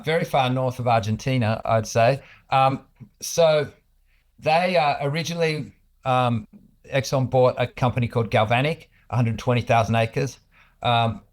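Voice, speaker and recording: Speaking with an Australian accent and medium pitch, a man is the executive guest in a casual business interview. His explanations come out in a hesitant, conversational manner.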